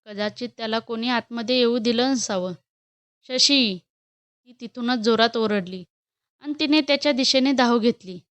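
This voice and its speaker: Reading a scripted romance aloud, a woman with a smooth, clear, fairly high voice keeps a steady, expressive delivery at normal speed. She's close to a dry mic with no echo, though the audio sounds dull.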